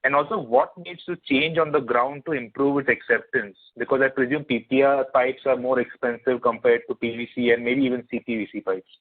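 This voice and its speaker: A man's voice: mid-range voice, steady tone, fairly quick, few pauses. A man, an analyst putting questions on an investor call. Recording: narrow, tinny phone conference line.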